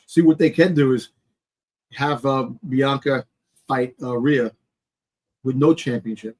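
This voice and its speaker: A man co-hosting a casual sports discussion, speaking haltingly as he gropes for words. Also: medium pitch, fairly even intonation, breathy edge. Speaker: wrestling podcast co-host.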